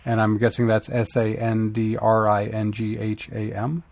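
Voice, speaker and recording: A man hosting a podcast, with a hoarse, raspy voice, chatting casually as he interviews a guest. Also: fairly low pitch, monotone, normal speed, darkish tone. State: hoarse, throat-clearing voice trouble. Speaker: podcast host.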